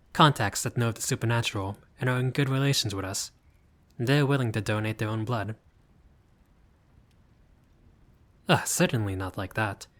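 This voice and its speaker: A friendly gentleman vampire, acted by a man in an intimate roleplay audio. His voice sits a little low. He talks with old-fashioned courtesy, choosing formal words with a bashful, hesitant politeness. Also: close to an everyday voice. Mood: apologetic, explaining.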